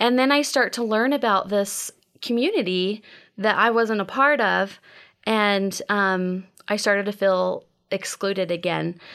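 In a very clean recording with a silent background, a woman with a normal speaking voice speaks at a medium pitch, with very even loudness and a fairly slow pace. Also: ordinary pitch variation. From Utah, moved from Texas and New Mexico as a child. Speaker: dance coach and former professional dancer. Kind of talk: personal testimony interview.

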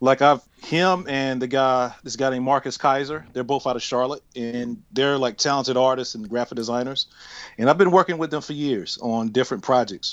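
Using an ordinary speaking voice, a man speaks in a medium pitch with an American accent and ordinary pitch variation. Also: fairly quick pace. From North Carolina. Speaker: documentary filmmaker. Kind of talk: interview.

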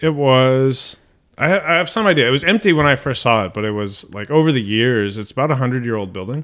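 With a normal speaking voice, a man talks at a fairly quick pace with lively intonation. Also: medium pitch for a man. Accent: American. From Kansas (Lawrence). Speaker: restaurant owner. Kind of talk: interview.

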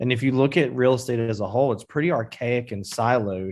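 A man's medium-pitched voice at a fairly quick pace, ordinary pitch variation, on a very clean recording with a silent background. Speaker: real estate team leader. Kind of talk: casual interview. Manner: calm.

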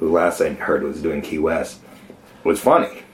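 A man with an American accent speaks at a fairly slow pace. Noticeable background noise is present. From US, Chinese American. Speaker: street performer. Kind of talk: casual interview. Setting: recorded in a treehouse.

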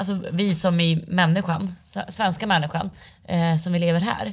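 Recorded very cleanly against a silent background, a woman speaks in a somewhat breathy, fairly low voice. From Sweden, Jämtland. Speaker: outdoor adventurer. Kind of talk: interview conversation. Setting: dark restaurant studio.

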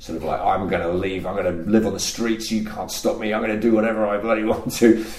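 Noticeable background noise behind a man's fairly quick speech. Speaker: street performer. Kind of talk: interview, storytelling. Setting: hotel room, in person.

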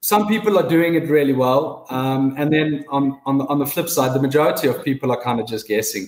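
Talking at a fairly quick pace with hardly any pauses, a man uses ordinary pitch variation. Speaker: former yacht officer in business development. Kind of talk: podcast interview.

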